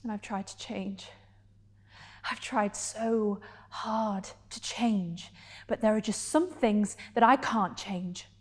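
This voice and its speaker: Student actress doing a hurt defiant gay woman, dramatic stage monologue, lots of long pauses, normal pitch. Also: breathy edge. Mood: pained, pleading. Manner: deliberate, with heavy pauses.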